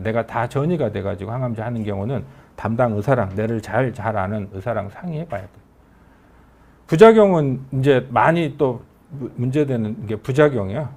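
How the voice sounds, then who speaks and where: A man's voice: mid-range voice, vocal fry. A middle-aged man, an oncology professor with a regional Korean dialect, giving a conversational medical lecture. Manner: animated, conversational lecturing that acts out patients' questions.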